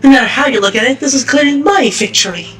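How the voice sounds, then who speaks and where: A man voicing a proud, elegant young woman in a strained falsetto. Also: quick pace, a bit bright. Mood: smug. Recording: roomy distant mic, music behind.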